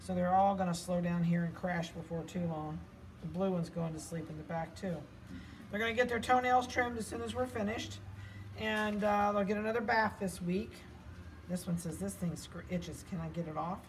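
A woman speaks at a fairly quick pace with a fairly low pitch. Light background noise sits under her voice. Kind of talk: casual vlog chat. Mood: warm, relaxed. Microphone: camera far.

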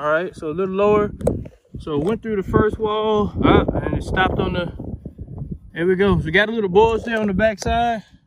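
Loud background noise behind a man speaking at a fairly quick pace, the sound dry with no echo. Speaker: range video host. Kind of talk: casual commentary. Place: open country. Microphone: phone near.

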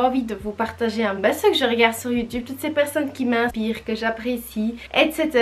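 At a fairly quick pace, a woman talks in a high voice. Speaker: lifestyle youtuber. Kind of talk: casual vlog chat. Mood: warm, enthusiastic. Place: home room. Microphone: camera far.

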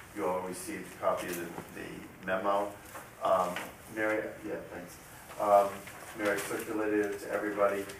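Noticeable background noise and audible room echo surround a man with a fairly low pitch. He keeps a moderate pace and a monotone, flat delivery, broken by long, frequent pauses. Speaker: committee chair. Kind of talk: public meeting. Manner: formal. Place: meeting room. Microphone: camera far.

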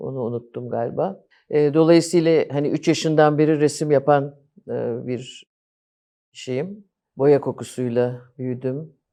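A man talks at a fairly slow pace in a dark, mellow tone with ordinary pitch variation. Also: quiet background. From Istanbul, Turkey. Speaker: art professor. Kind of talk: interview.

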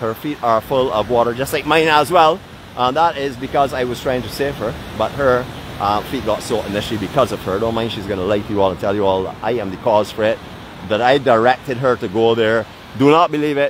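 Over light background noise, a man talks at a fairly quick pace with ordinary pitch variation and a dry sound with no echo. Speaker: vlogger narrating a beach walk. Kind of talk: casual vlog chat. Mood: playful teasing. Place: beach. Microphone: phone near.

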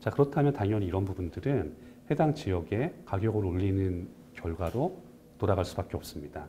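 A man speaks at a moderate pace with a fairly low pitch and very wide pitch swings. His tone is dark and mellow, somewhat breathy, over light background noise. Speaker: real estate researcher. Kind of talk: expert interview on housing market. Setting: live stream. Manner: formal, explanatory. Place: studio. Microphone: studio mic.

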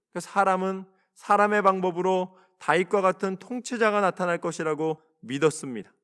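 In a dry, close recording with no echo, a man speaks at a high pitch with ordinary pitch variation. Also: moderate pace. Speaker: pastor. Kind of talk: sermon. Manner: formal.

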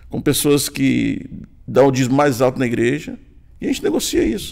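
A man's voice over a quiet background. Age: 40s. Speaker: pastor; pastor guest. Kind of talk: casual chat. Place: studio. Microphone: studio mic.

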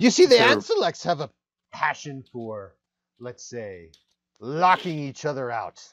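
In a put-on character voice, someone cackles in a menacing tone at a moderate pace, leaving long, frequent pauses. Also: man, fairly high pitch for a man. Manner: cackling, mocking, menacing.

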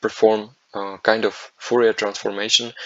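Speaking at a fairly slow pace, a man with a Czech accent keeps a fairly low pitch and a monotone, flat intonation. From Czechia. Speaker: PhD student. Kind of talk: conference talk. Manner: hesitant with fillers.

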